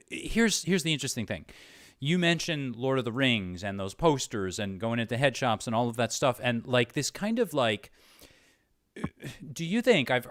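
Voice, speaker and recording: A man's voice: medium pitch, fairly bright tone, no room sound, clean studio sound. A man in his late forties hosting a casual interview, rambling through his questions with frequent asides. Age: late 40s. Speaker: interviewer, host.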